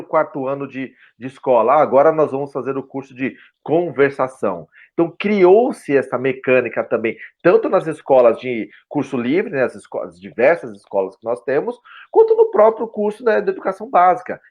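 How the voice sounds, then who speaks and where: A middle-aged man with a Brazilian Portuguese accent, interviewed as a guest, explaining in an animated way and acting out example phrases. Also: medium pitch, muffled recording. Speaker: guest, language school CEO. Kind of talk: conversational interview.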